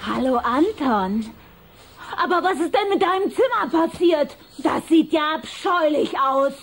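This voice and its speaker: A woman's voice: sits high, animated, unhurried, a bit bright, full character voice. A woman playing a vain, haughty, coquettish vampire girl with an affected, theatrical delivery in a children's audio drama. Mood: scornful.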